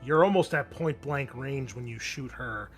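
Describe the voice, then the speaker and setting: A man's voice: medium pitch, normal speed. Casual man running a tabletop game over music. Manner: casual, profane. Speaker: game master. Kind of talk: improvised narration of a tabletop roleplaying game.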